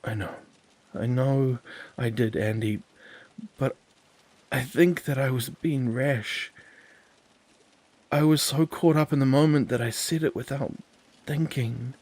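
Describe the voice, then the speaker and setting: A man's voice: medium pitch, fairly even intonation, slow pace, long pauses, a little mellow, no room sound, voice pushed up. A man voicing an anxious young man who stammers and defends himself to his partner. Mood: nervous.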